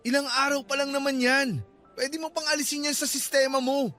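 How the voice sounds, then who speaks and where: A man's voice: very high voice, flat delivery, fairly quick, sharp tone, soft background music. A young man acting an irritable, defensive student boyfriend in a radio drama, exasperated, insistent and pleading. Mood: insistent, persuading.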